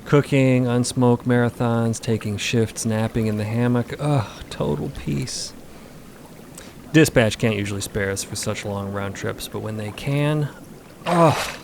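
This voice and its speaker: Slow, gravelly man telling a story. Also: medium pitch, a little hiss or hum. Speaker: podcast cast member. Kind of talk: relaxed audio drama storytelling. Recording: loud water ambience under voice.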